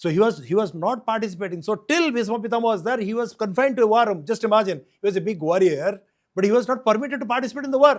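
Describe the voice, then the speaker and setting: A man speaks at a very fast pace with a high pitch and an Odisha accent. His pitch varies in an ordinary way. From Odisha, India. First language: Odia. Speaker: Mahabharata researcher and speaker. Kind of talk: podcast interview, storytelling. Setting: studio. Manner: halting.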